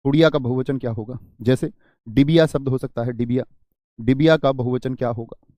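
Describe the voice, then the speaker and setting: A man's voice: mid-range voice, fairly even intonation, a little fast, mellow, dry recording, clean studio sound. Man teaching a live grammar class. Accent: Hindi. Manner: questioning, repeats words, reads out student comments.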